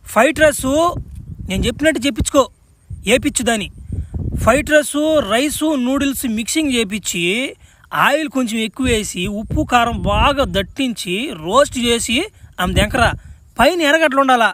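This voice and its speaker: A brash, foul-mouthed young superhero from a comedy cartoon in a strained, very high voice. He speaks with a rural Andhra Telugu accent and swears and laughs loudly through his lines. A faint hiss sits under the recording. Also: expressive, fairly quick. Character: cocky crude young male superhero lost on another planet.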